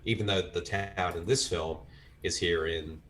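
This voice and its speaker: A man's voice: low-pitched, fairly even intonation, a little slow, a bit bright. An Australian man chatting casually as a film reviewer, enthusiastic and rambling, with lots of filler words.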